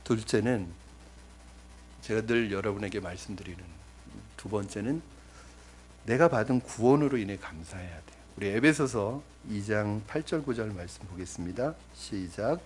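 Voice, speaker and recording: A man's voice: expressive, moderate pace, a little hiss or hum. A middle-aged man preaching a sermon to his congregation, emphatic, addressing them directly and often quoting scripture. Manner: emphatic preaching with big swings in pitch and volume. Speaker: pastor.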